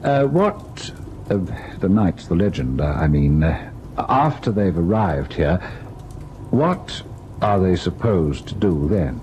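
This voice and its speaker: Low, mellow storyteller husband. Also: male voice, takes it slowly, full character voice. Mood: curious, halting. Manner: earnest, hesitant, expressive. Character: educated, earnest husband and painter, narrating a ghost tale. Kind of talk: old-time radio narration and dramatic acting. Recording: noisy vintage radio recording.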